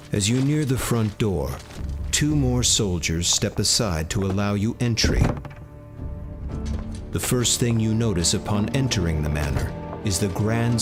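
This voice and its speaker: A man reading a tabletop game's story text aloud as narrator, steady and measured. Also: lowish voice. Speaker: game narrator.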